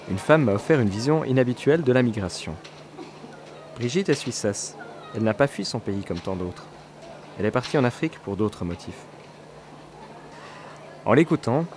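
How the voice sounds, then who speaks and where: A man giving calm, scripted documentary narration as a reporter. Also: medium pitch, slight background noise. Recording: voice-over with music behind.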